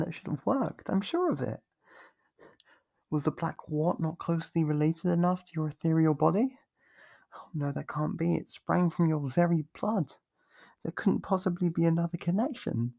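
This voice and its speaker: A performer acts out an obsessive, lovestruck cult worshipper in an ASMR roleplay, earnest and theatrical. The voice is soft and husky with gravelly creak, and it moves at a slow, hesitant pace. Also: medium pitch, dry recording, clean studio sound, exaggerated voice. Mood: distressed, bewildered. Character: devoted, nervous, lovestruck young cultist worshipper, obsessive and earnest. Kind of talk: ASMR audio roleplay, dramatic monologue.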